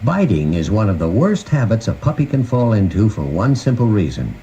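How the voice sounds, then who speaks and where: A mellow, warm-voiced man narrates an instructional guide in a folksy, conversational way. His delivery is lively and varied in pitch, as if chatting with the listener. It comes from a 1990 cassette tape with faint noise underneath. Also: a little fast. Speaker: host of a puppy training guide tape.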